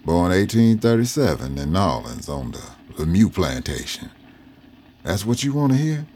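An actor playing an elderly former slave and Union veteran who is guarded, wry and folksy. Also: male voice, low-pitched, big pitch swings, normal speed, warm tone, a little hiss or hum. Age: older. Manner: wary, folksy, drawling. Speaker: interviewee.

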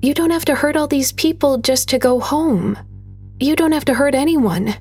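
A woman's voice: high-pitched, normal speed, a little mellow, faint music behind, voice pushed up. A woman voicing a brave young girl scout who speaks in a raised, earnest, pleading way.

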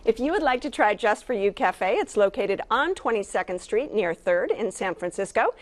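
A woman's voice: mid-range voice, animated, normal speed. A woman hosting a food show, upbeat as she prompts her guests. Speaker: host.

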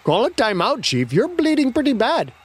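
A man's voice: very high-pitched, wildly swooping pitch, normal speed, husky, pitched above the performer's own voice, exaggerated voice. A man voicing a concerned rookie male football player who urges and placates his teammate. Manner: urging, placating.

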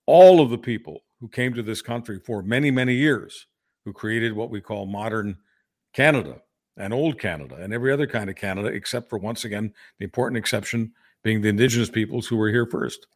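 Older Hungarian-born man, earnest and deliberate. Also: lowish voice. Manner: earnest, repetitive restarts. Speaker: podcast co-host. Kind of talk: casual political discussion.

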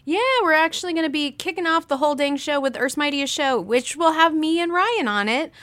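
A woman's voice: sits high, brisk, fairly bright tone, no room sound. Playful woman co-host, dry sound. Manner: playful, jokey. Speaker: podcast co-host. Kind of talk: casual chat.

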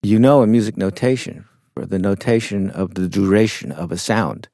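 A middle-aged man, a songwriter guest in an interview, talking in a reflective, unhurried way with frequent fillers. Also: fairly low pitch, mellow, dry recording, studio quality. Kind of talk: conversational interview storytelling.

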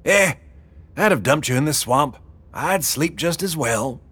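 A man reading an audiobook, voicing a loud, crude older woman who leads an eco-gang and bellows and cackles. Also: fairly high pitch, animated, a little slow, husky, dry recording, voice pushed up, exaggerated voice. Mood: mocking.

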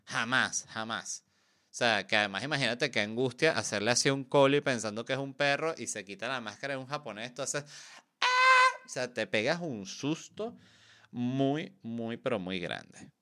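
A man hosts a casual podcast chat, joking and rambling with plenty of fillers. His voice is bright and smooth, sitting at a middle pitch. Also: normal speed. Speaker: podcast host.

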